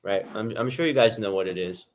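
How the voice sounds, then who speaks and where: A man's voice: on the low side, a little fast, a little hiss or hum. A man hosting a casual live stream, talking loosely to viewers in the chat while he eats. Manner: loose, rambling, talks straight to viewers in chat. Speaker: livestream host.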